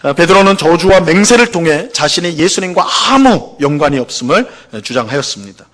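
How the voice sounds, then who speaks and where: A man's voice: on the high side, big pitch swings, fairly quick, fairly bright tone. A man preaching a Sunday sermon as pastor, asking the congregation questions and acting out the quoted lines. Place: church sanctuary.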